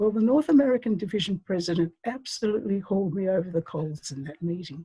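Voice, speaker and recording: A woman talks at a very fast pace in a somewhat breathy, dark, mellow tone with lively intonation, recorded with a dry, close sound and no echo. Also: medium pitch for a woman. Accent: Australian. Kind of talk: interview testimony.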